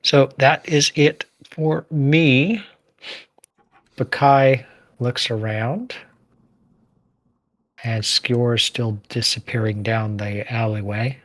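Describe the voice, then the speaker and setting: A man's voice: medium pitch, steady tone, slow, long pauses, fairly bright tone, no echo. A man playing a tabletop game, talking hesitantly while fumbling through his character sheet. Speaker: player. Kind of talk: casual game talk.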